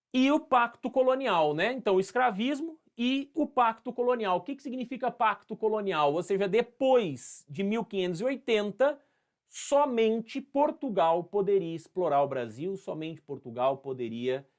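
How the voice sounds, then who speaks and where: A man speaks at a fairly slow pace with a high pitch and very wide pitch swings, in an interior São Paulo accent. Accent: caipira, interior São Paulo. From interior of São Paulo state, Brazil. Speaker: history teacher. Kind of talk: live online lecture. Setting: livestream. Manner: hesitant, frequent repetitions.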